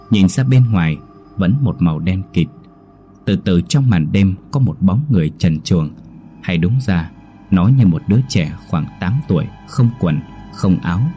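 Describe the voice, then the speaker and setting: Deep dark husky male storyteller. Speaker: horror story narrator. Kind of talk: scripted ghost story narration. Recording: faint background music.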